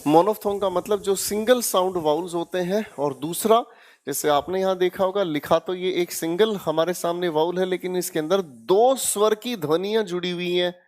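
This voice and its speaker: A man's voice: high-pitched, normal speed, darkish tone. A man with an Indian accent teaching English grammar in an online exam-prep lecture, coaxing students and checking again and again that they follow. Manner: coaxing, keeps checking students with "haan ya na?" and "theek hai beta?".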